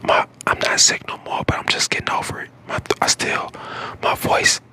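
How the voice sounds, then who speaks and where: A man in his twenties from St. Louis, hoarse and getting over a lost voice, chatting casually to his live stream in a whisper that cracks in and out. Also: moderate pace, pushed and bright. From St. Louis, Missouri, USA. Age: 20s. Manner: whispering throughout.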